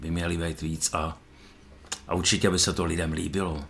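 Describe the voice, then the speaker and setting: This man's pitch is very deep and low. He talks fairly quickly. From eastern Bohemia, Czech Republic (Hradec Králové). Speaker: tourist. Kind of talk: interview. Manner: halting.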